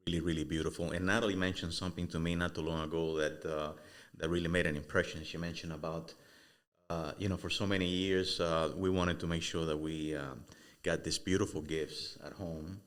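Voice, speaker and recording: A middle-aged man from Cuba, a business owner talking as a podcast guest, who speaks warmly with many "uh"s and repeats his words for emphasis. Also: deep voice, flat delivery, a little fast. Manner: warm, repeats words, uh fillers.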